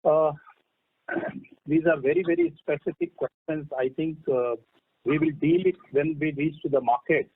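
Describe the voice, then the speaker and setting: A male executive with an Indian accent answers questions on an earnings call. His voice sits a little high for a man and he repeats phrases for emphasis. The sound is thin, narrowband telephone audio. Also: very animated, normal speed. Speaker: company executive. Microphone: phone conference line. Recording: narrowband phone conference line.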